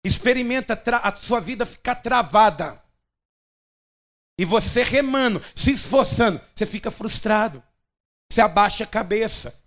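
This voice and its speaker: A man's voice: high voice, lively intonation, moderate pace, a bit bright. A man preaching an emphatic, dramatic sermon as pastor.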